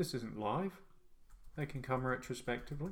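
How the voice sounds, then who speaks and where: The speaker is a man with an English accent. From England. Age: 30s. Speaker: football podcast co-host. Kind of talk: casual chat.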